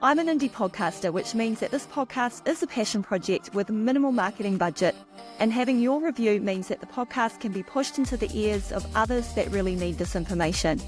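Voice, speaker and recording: A woman's voice: mid-range voice, expressive, fairly quick, faint music behind. A middle-aged woman, hosting a podcast interview in a chatty, encouraging way. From New Zealand. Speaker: podcast host.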